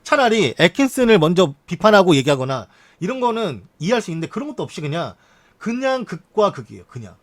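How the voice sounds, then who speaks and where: A man's voice: high voice, very animated, fast. A man streamer reading news articles aloud on a live stream and adding frank asides to his chat.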